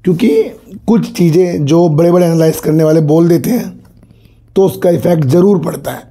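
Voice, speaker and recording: Hoarse man talking stock market news. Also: a little high, mellow. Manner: conversational, addresses viewers as sir, repeats phrases. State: hoarse from a cold. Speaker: stock market channel host. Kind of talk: casual market commentary to camera.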